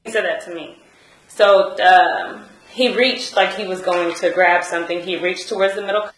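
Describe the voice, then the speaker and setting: A woman's voice: on the low side, steady tone, normal speed. Hesitant woman testifying in a roomy courtroom. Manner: hesitant, many fillers and restarts. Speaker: trial witness.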